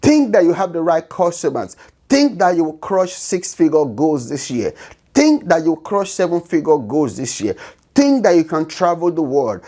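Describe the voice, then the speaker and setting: A man's voice: fairly high pitch, very animated, moderate pace, warm tone. A middle-aged man with a non-native English accent, giving a motivational business talk with an emphatic, repetitive, preaching cadence. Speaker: business coach.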